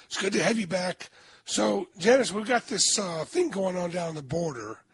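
Hoarse man hosting a radio talk show. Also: high voice, expressive, moderate pace, a bit bright. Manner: folksy, emphatic, restarts often.

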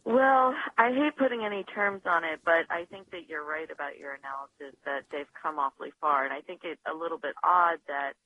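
A woman lawyer, a guest on a radio show, talking over the phone in a measured, analytical way with some hesitations. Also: low voice, bright, forceful tone, slight background noise. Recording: dull phone line, dry.

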